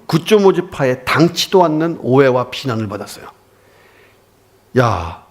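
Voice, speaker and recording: A man's voice: medium pitch, vocal fry. A man preaching a sermon as pastor, telling stories and acting out the voices of the people in them. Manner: lively storytelling preacher, acting out quoted voices.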